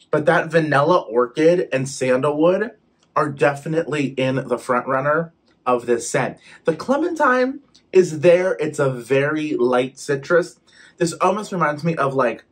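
A young man chatting casually as he reviews home fragrance products, talking with his hands at a desk in his living room. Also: mid-range voice. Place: living room with shelves behind.

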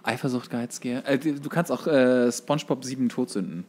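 A man co-hosting a podcast in casual conversation, often halting as he searches for words. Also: medium pitch, steady tone, a little mellow. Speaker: podcast co-host. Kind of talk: casual podcast chat about cartoons.

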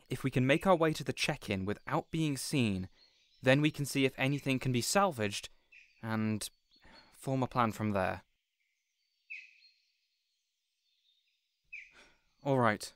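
Man as a lively, considerate supervillain boss. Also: medium pitch, moderate pace, clear, resonant tone, no echo, natural voice. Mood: planning. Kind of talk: audio roleplay drama acting.

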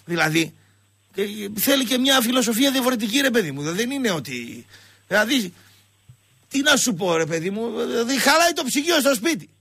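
A male sports radio host with a husky, high-pitched voice. He tells comic stories in an animated way and jumps into shrill voices for the people in them. His voice sounds dry and close. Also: no echo. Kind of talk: comic storytelling and call-in chat.

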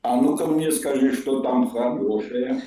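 Older man, blunt, mocking, dark mellow voice, distant roomy video call. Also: mid-range voice, steady tone, measured pace. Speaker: video chat stranger. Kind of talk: casual argumentative chat. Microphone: remote video call audio.

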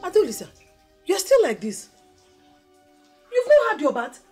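A woman's voice: very high voice, huge pitch swings, moderate pace, a little mellow, soft background music, exaggerated voice. An actress with a Nigerian accent playing an emphatic mother in a film drama, given to scolding and reassuring. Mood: exasperated, scolding. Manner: emphatic, repeats rhetorical questions and tag words.

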